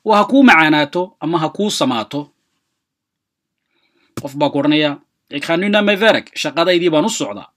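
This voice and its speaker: A language teacher hosting a lesson, giving quick explanations and then repeating short example phrases slowly. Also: medium pitch, lively intonation, a bit bright. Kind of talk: radio-style language lesson.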